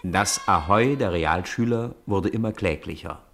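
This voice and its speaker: A man's voice: low voice, unhurried, background noise. A man narrating a children's radio play as a scripted storyteller.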